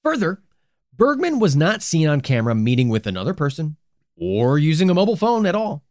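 A man co-hosting a true crime podcast, retelling the case in an animated, joking way with casual swearing. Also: fairly high pitch, brisk, no echo, clean studio sound. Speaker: podcast co-host.

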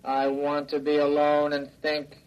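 An actor playing a childlike male robot who talks in a flat, slow monotone, from a dull old radio drama. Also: fairly high pitch, clear, resonant tone, lightly acted. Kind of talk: 1950s radio drama acting.

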